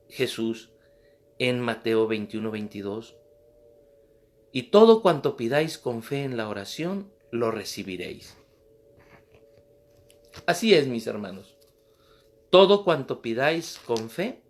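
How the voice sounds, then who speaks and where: A man teaching a Bible class as a Catholic preacher, emphatic and repeating phrases for stress. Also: mid-range voice.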